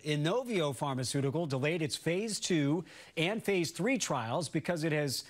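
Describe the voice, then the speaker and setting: Male morning news anchor, voice a bit higher than average, reading scripted copy.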